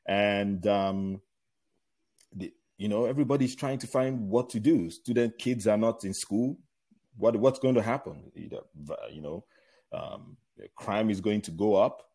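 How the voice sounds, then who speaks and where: A man's voice: lowish voice, measured pace, warm tone, husky. A middle-aged Nigerian man with a Nigerian accent, chatting as a guest in an interview, rambling with many fillers and restarts. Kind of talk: casual interview chat.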